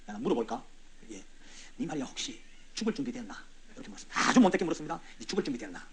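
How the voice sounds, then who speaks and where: Fast, lively preacher man. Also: high voice. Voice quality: wide swings from loud to hushed. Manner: animated, conversational, talks straight to the audience. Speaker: church elder giving a testimony. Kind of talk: storytelling testimony sermon.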